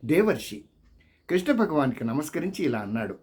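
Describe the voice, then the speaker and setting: A man reading sacred Hindu tales as scripted narration, in a measured, expressive manner. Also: fairly high pitch, breathy edge. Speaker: audiobook reader.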